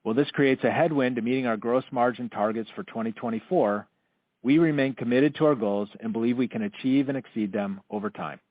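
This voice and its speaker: Male corporate finance executive, medium pitch, formal scripted read, phone-grade conference audio. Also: no room sound. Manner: formal, measured corporate delivery. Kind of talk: scripted earnings call presentation. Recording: narrow, dull conference-call audio.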